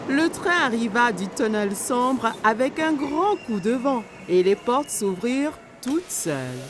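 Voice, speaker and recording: A woman narrating a scripted children's story in simple sentences, with expressive storytelling. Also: a little high, a little slow, background noise. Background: music.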